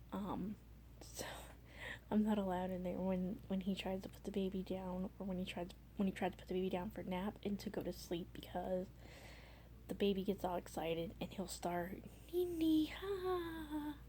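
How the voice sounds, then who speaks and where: A woman speaks quietly at a moderate pace. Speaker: vlogger. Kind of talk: casual vlog chat. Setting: home studio at night. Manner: quiet, hushed.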